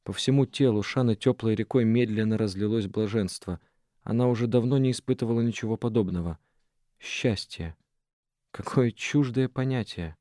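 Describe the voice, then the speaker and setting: A man's voice: on the low side, normal speed, mellow, dry recording. Man narrating an audiobook, dry. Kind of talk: scripted narration.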